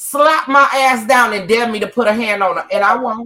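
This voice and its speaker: A woman's raised, projected voice at a moderate pace. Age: 40s. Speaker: podcast co-host. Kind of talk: casual chat.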